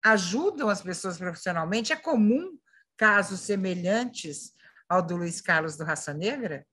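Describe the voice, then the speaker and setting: A woman's voice: mid-range voice, animated, a little slow, fairly bright tone, breathy edge. A Brazilian woman hosting an interview, asking questions in a conversational style. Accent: Brazilian Portuguese. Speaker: interview host.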